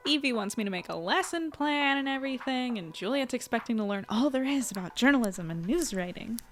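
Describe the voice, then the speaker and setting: A woman's voice: fairly high pitch, animated, a little fast, a little hiss or hum, close to an everyday voice. A woman playing a friendly, self-doubting small-town newspaper editor in an audio drama, with a casual, hesitant delivery. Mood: hesitant, worried. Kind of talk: naturalistic audio drama acting.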